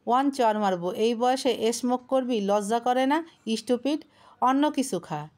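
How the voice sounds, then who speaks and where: Cocky young female pickpocket boss, bossy, broken English, high voice, woman narrator. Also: slow pace, darkish tone. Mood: angry.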